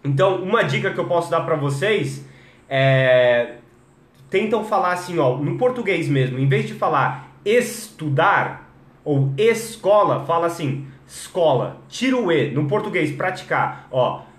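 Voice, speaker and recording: A young Brazilian man leads a live English lesson with lots of energy. His voice sits a little high and he slows down to stretch out example words. The sound carries a noticeable room echo. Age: young adult. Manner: energetic, code-switching, drawn-out demo words. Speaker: English teacher.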